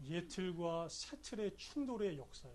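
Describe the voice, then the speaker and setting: With an animated tone and lively intonation, a man speaks at a high pitch amid audible room echo. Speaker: pastor. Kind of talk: sermon. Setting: church service. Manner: animated, rhetorical questions to audience.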